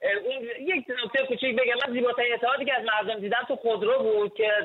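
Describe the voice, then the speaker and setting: A man's voice: extremely high pitch, fairly even intonation, slightly rough. Guy calling into a talk show, fired up and emphatic, tinny phone sound. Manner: impassioned, emphatic. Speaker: caller. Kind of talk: call-in opinion. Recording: phone line.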